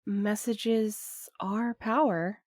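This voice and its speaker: An actress plays an earnest young woman courier in a naturalistic audio drama. She is direct and firm, with worry under it. Her voice is mid-pitched and the recording has no room sound. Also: fairly even intonation, very slow, a little mellow, no room sound, studio quality. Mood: firm, insistent. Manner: direct, insistent.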